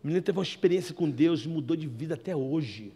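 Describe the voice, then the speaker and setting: A man preaches a sermon testimony. He tells the story in an animated way and keeps turning to his listeners as brothers. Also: a little high, fast talker, husky, dull audio. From Brazil, Rio de Janeiro. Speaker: evangelist giving testimony. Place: indoor meeting room.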